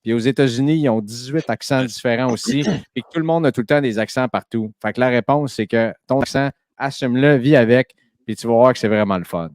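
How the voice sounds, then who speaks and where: A man's voice: medium pitch, a little fast, darkish tone, no room sound, studio quality. A man hosting a podcast, chatty and enthusiastic with plenty of fillers. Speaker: host. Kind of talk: casual podcast chat.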